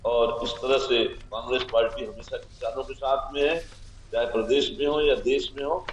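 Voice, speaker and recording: A man delivers a firm, declaratory political statement, speaking at an ordinary middle pitch. His voice bounces around a cave-like space with a heavy echo. The recording is muffled and dull, with a faint hiss underneath. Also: fairly even intonation, moderate pace. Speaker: party spokesman giving a statement.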